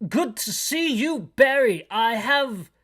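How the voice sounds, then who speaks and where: A game streamer putting on a high, grandiose, genderless chief. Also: expressive, a bit bright. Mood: urgent, grandiose. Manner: overblown, drawn-out, emphatic delivery. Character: theatrical, non-gendered police-agency chief, urgent and grandiose.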